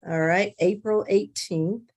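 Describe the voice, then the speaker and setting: A woman judge giving formal, measured procedural explanations to open a court hearing. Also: medium pitch, steady tone, darkish tone. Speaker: judge presiding over a court calendar. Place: remote court hearing on video call.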